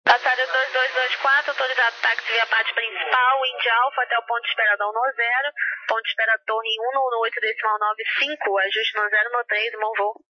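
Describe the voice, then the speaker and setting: A man with a Brazilian accent giving procedural, clipped clearances as an air traffic controller over radio. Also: extremely high pitch, fairly even intonation, a little fast, pushed and bright. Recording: muffled air traffic radio, faint noise.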